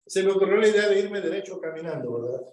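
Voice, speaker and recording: A man's voice: high voice, expressive, fast, a little mellow. Pastor guy preaching, keeps asking the crowd "right?", echoey church with a bit of hiss. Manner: asks the congregation frequent questions, tag questions. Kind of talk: sermon with personal story.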